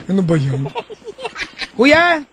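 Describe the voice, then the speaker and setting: A man hosting a late-night radio call-in show, playful and teasing, talking in an animated way. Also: high voice, slow pace, background noise.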